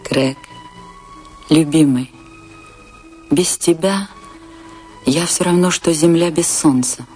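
An actress playing a passionate dancer in a radio play, with a theatrical, tender and measured delivery. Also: female voice, deep voice, a little mellow. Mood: adoring. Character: Isadora, passionate woman dancer recalling her great love. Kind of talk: radio play narration and dialogue. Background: music behind the voice.

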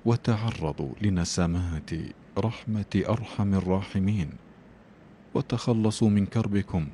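A deep, mellow male voice presenting a prayer broadcast. He announces, then moves into a solemn supplication with a steady, rhythmic cadence. A faint hiss sits under him.

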